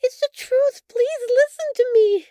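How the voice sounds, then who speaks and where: A woman voicing a shapeshifted alien posing as a sweet, anxious human girlfriend in an intimate audio roleplay, speaking softly and haltingly. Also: very high voice, no room sound, clean studio sound. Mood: anxious, confessing. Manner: soft, halting, pleading, stammering. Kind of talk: audio roleplay acting, intimate address to listener.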